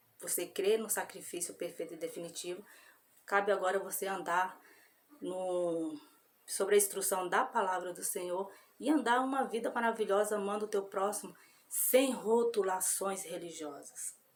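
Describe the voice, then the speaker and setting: Audible room echo surrounds a woman speaking at a moderate pace in a medium pitch. Her pitch variation is ordinary, while her loudness swings widely. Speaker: bible teacher. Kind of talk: sermon.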